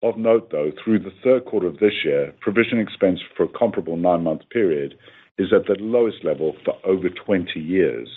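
This is a prepared earnings call, read by a man whose voice is deep and husky. His delivery is executive-style, formal and steady through the numbers, and the audio has the thin quality of a conference phone line.

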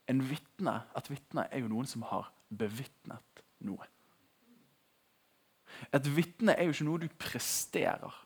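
A young man giving a casual, animated sermon in a conversational tone. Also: medium pitch, slightly rough. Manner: conversational, animated, laughing at his own jokes. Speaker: preacher.

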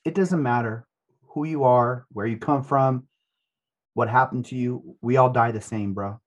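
A man's voice: medium pitch, unhurried. A man with a Southern Californian accent in casual podcast chat, laid-back and peppering his talk with bro and dude.

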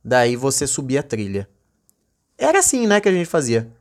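A man hosting a casual solo podcast, rambling and joking, swinging between low mumbles and excited high bursts. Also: normal speed. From Brazil. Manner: rambling, joking, addresses his dog as co-host. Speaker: podcast host.

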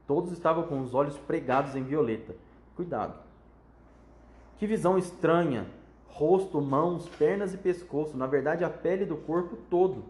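A man reads a children's book aloud with expressive, animated narration. His voice sits a little high. The room gives it a roomy echo. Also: moderate pace. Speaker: storyteller.

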